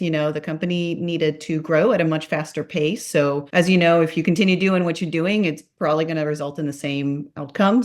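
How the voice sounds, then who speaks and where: Low-pitched American-sounding woman with a slight cold. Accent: American, only a faint trace of Greek. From Greece. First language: Greek. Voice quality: a little rough from a cold. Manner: upbeat, laughs easily. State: has a cold. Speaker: podcast guest, marketing executive. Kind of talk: conversational interview answers.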